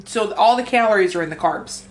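A woman with a raspy voice co-hosting a casual podcast, swearing freely and rambling with lots of fillers. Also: mid-range voice, brisk. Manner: profane, rambling, filler-heavy. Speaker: podcast co-host. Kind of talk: casual chat.

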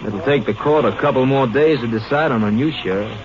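An actor playing a cynical, world-weary small-town newspaper editor in a 1950s radio drama, wry and resigned. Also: male voice, medium pitch, fairly quick, dull audio, lightly acted. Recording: noisy band-limited 1950s radio recording.

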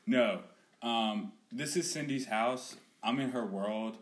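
A man's voice: mid-range voice, slow. A young man with a mid-range voice talking through ideas on a podcast. He rambles and muses, leaning on filler words as he goes. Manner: musing, rambling explanations with many fillers. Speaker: podcast co-host. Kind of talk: casual chat.

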